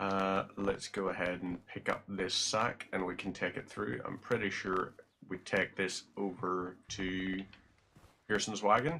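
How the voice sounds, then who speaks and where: The voice has a bright, sharp tone, a fairly slow pace and ordinary pitch variation. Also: man. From Northern Ireland. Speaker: gaming streamer. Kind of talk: casual chat while playing a game. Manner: casual, hesitant with fillers.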